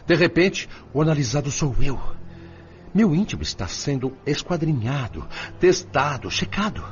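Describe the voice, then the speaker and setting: Um ator interpretando um avô mais velho, espírito angustiado e indignado com a família, em radionovela, com fala enfática. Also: male voice, fairly low pitch, slight background noise. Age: older. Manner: emphatic, exclamatory. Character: anguished, indignant grandfather spirit fretting over his family. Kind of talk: radio drama acting. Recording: dull lo-fi audio with music behind.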